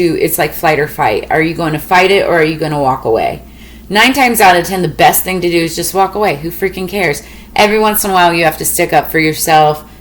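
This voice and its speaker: A woman in her thirties, a tarot reader, talking casually to her viewers in a chatty, frank, rambling way. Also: fairly low pitch. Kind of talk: casual storytelling to camera.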